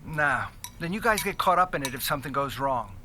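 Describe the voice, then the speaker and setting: A man's voice: a little high, expressive, brisk, sharp tone, a little hiss or hum. An actor playing a street-wise, guarded hacker in his thirties, fresh out of prison, in an audio drama with a wry delivery. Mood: cautious. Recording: music behind the voice.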